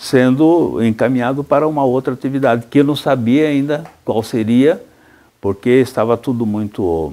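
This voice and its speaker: Here a man speaks at a fairly slow pace. His pitch is medium and his tone dark and mellow. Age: 70s. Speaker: retired teacher, former student activist. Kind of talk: oral history testimony interview. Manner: halting, many repetitions and fillers.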